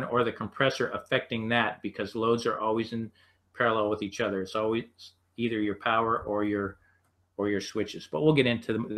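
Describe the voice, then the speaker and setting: A man with an American accent lecturing unscripted as a technical instructor, explaining step by step in halting phrases. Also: on the low side, a bit bright. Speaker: HVAC instructor.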